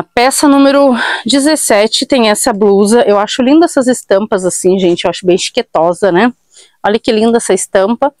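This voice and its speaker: A woman's voice: a little high, no echo. Chatty Brazilian woman selling clothes. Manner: chatty, tag questions, addresses viewers. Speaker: online thrift shop seller. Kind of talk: casual live sales pitch. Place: small clothing shop indoors. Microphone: fixed camera at mid distance.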